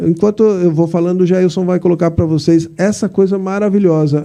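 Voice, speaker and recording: The voice belongs to a man and has a dark, mellow tone. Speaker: radio talk show host. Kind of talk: live radio interview show. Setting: radio studio, live-streamed.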